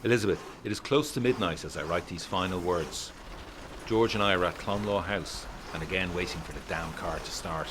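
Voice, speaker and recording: Gothic radio drama: male actor as anxious 1920s letter-writer, low voice, urgent literary narration, loud rain behind. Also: a little fast, natural voice. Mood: grim, hurried. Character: John, anxious educated man writing a hurried letter. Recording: heavy rain and vehicle noise behind. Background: loud rain, vehicle.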